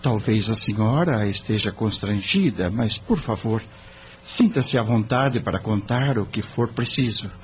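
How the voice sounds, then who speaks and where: A man voicing an earnest, polite young lawyer gently reassuring a client. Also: fairly low pitch, expressive, unhurried. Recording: dull lo-fi with faint noise.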